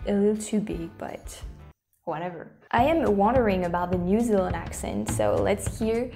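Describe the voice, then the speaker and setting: A woman's voice: mid-range voice, moderate pace, gravelly, warm tone, soft background music. A young woman with a French accent, a YouTuber chatting casually to camera from a small room, often restarting and dropping into whispers. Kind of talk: casual vlog chat.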